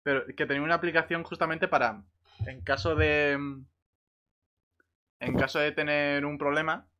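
A man's voice: on the high side, steady tone, normal speed, bright, forceful tone. A man with an accent from Spain, telling anecdotes to gaming friends in a colloquial, sweary way. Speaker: online roleplay gamer. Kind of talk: casual chat, anecdotes.

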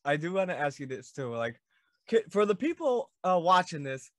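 A man's voice: on the high side, big pitch swings, moderate pace, fairly bright tone, no echo, studio quality. A man in his thirties hosting a video-call interview, eager and fan-like, with frequent stumbles and restarts. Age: 30s. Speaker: podcast host.

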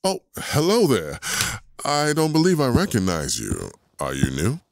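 A man playing a gentle, courteous adult werewolf doctor and father in an audio drama, speaking tenderly and politely. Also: medium pitch, huge pitch swings, measured pace, gravelly, dry recording, clean studio sound, heavily acted. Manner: tender, polite, soft-spoken storyteller.

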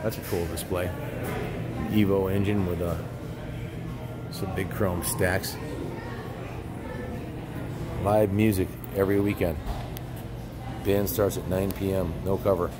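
A man's voice: low-pitched, level tone, slow, long pauses, over music. An older man casually narrating a walking tour of a restaurant, chatting as he points things out, filmed on a handheld phone. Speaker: vlogger touring a venue. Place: restaurant and bar, indoors.

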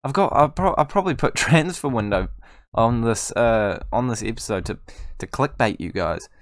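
Excitable man commentating a game. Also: medium pitch, moderate pace, no echo, studio quality. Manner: excitable, self-mocking, talks to viewers. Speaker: gaming YouTuber. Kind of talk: casual let's-play commentary.

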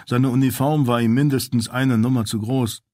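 Male audiobook narrator, medium pitch, steady reading, dry close mic. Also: normal speed, no room sound. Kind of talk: scripted narration.

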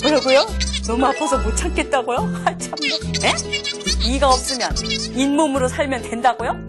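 A woman's voice: sits high, moderate pace, over loud music, lightly acted. A woman voicing a chatty, upbeat dentist who soothes a patient, with a playful, exaggerated sing-song delivery in a comic skit. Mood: teasing. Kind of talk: comic skit in a lesson video.

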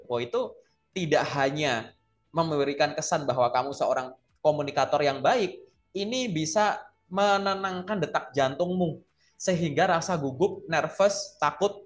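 Higher-voiced male career coach. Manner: explains by acting out interview answers. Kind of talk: casual coaching talk.

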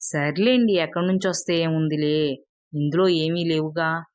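A woman's voice: low-pitched, normal speed, darkish tone, pitched below the performer's own voice, close to an everyday voice. A woman voicing a young male farmer, a brusque and matter-of-fact husband in a told folk tale.

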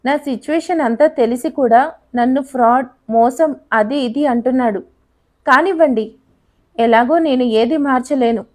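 A woman's voice: sits high, moderate pace, close to an everyday voice. A woman voicing a desperate, defiant young heiress in an audio story, speaking in pleading and indignant tones. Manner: pleading, then sharp and indignant.

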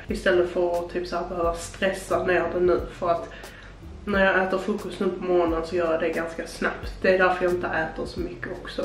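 Chatty woman vlogging in an echoey kitchen. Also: lowish voice. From Sweden. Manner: chatty, explaining step by step with many fillers. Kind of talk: casual cooking vlog. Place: small home kitchen indoors. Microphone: camera on the counter a little way off. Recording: echoey kitchen, camera mic from a distance, audible noise.

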